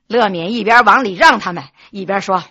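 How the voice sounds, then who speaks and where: A woman storyteller narrating a traditional tale with lively, expressive delivery. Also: mid-range voice, a little fast, husky, dry recording, highs cut off.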